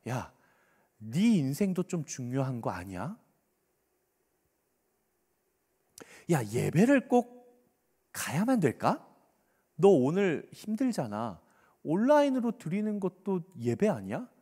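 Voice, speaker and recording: A sly, persuasive devil, as a male preacher puts him on murmurs slow, soft temptations in a fairly high, lilting voice. The sound carries a long church-hall reverb. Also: wildly swooping pitch, breathy edge, exaggerated voice. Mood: coaxing.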